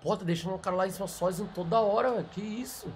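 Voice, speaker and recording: A young man with a Brazilian accent chatting casually during a co-op game, excitable and slangy, often repeating short exclamations. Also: high voice, racing, a crowd in the background. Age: young adult. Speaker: co-op gaming partner. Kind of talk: casual gameplay chat. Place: bedroom gaming setup.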